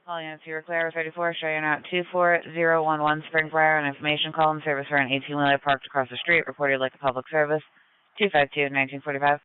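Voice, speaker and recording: Fast flat man on noisy radio. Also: a little high. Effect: scanner radio transmission. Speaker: emergency radio dispatcher or unit. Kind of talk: terse emergency radio traffic. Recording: noisy, narrow-band police scanner radio.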